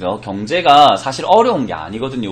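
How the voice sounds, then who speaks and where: Over noticeable background noise, a man at medium pitch speaks with very wide pitch swings. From Busan, South Korea. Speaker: stock market expert. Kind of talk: live stream talk. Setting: live YouTube stream.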